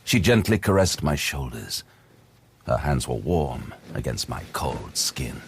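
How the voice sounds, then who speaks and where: A man's voice: sing-song, a little slow, a little hiss or hum, full character voice. An actor playing a haunted, grim male detective who narrates his story in an audio drama. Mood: brooding. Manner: low, brooding first-person narration. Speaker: narrator and lead.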